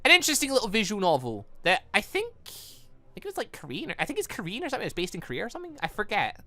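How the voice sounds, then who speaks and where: A man's voice: high voice, huge pitch swings, rapid-fire, sharp tone, no echo. A British man giving casual, rambling let's-play commentary on a visual novel, stumbling over words and correcting himself as he goes. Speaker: gaming video host.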